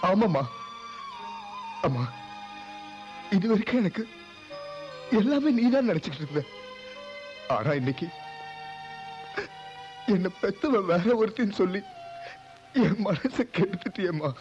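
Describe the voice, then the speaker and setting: A man's voice: high voice, big pitch swings, a little slow, long pauses, a little mellow, muffled recording, soft background music. An actor playing a grown son who pours out bitter, anguished words about his birth mother. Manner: passionate, anguished outbursts.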